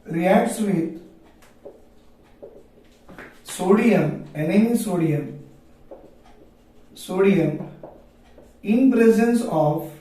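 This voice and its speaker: In a very echoey room, some distance from the microphone, a man with a South Asian accent delivers a classroom lesson. His voice is high for a man. He poses questions, answers them himself and repeats key phrases for his students. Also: extremely slow, long pauses, mellow. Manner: repeats phrases for emphasis, addresses students affectionately. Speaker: chemistry teacher. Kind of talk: classroom lecture for a video lesson.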